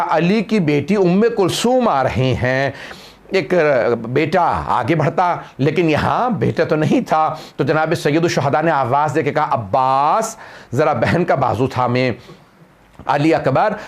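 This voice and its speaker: Male cleric, mourning sermon; gravelly, somewhat high-pitched, dramatic storytelling that climbs to wailing. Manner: narrates a tragedy in a rising, wailing voice, quoting the figures dramatically. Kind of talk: Muharram majlis sermon, rising to wailing recitation. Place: mourning hall at an Islamic center.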